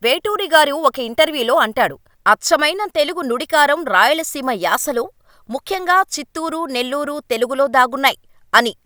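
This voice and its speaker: A woman reading a scripted news voice-over with a brisk delivery. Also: sits high, lively intonation, sharp tone, dry recording, clean studio sound. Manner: brisk read-aloud delivery of a written script. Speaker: news narrator.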